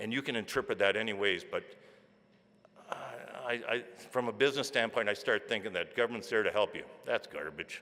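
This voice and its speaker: Speaking at a fairly quick pace in an Ontario accent, a man leaves long, frequent pauses. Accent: Canadian (Ontario). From Niagara Falls, Ontario, Canada. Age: 70s. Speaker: regional chair, politician. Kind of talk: keynote speech. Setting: stage with audience. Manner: formal, from notes with ad-libs.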